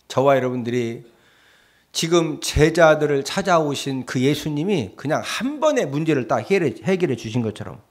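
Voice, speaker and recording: A man preaching a sermon with a high, sing-song voice that rises and falls a lot. He swings from hushed asides to loud calls to the congregation. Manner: lively preaching that swings between soft asides and loud exhortation; acts out pleading cries in a low voice. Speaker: pastor.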